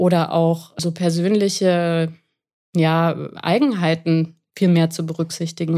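In a very clean recording with a silent background, a woman speaks with a dark, mellow tone and fairly even intonation. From Franconia, Germany. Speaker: psychologist and author. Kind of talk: interview.

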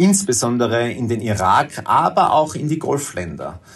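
A man speaks at a medium pitch in a somewhat breathy voice. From Austria. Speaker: trade delegate and export expert. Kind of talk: interview.

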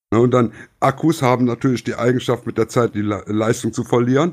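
Here is a plain, everyday voice at a fairly quick pace. Its intonation is fairly even. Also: man. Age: 50s. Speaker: blogger and podcaster. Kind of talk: casual chat.

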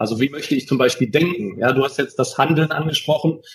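The voice moves at a very fast pace and is somewhat breathy. Its pitch variation is ordinary. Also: man. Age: 30s. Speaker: performance coach. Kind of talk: interview. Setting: video call. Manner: hesitant with frequent fillers.

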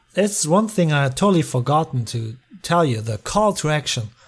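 A man with a German accent speaks at a moderate pace. His voice is somewhat breathy. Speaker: podcast host, history narrator. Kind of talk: scripted narration.

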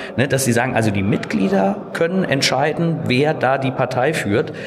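A man at medium pitch and moderate pace with lively intonation, audible room echo and noticeable background noise. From Rhineland-Palatinate, Germany. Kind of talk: interview. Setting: conference venue.

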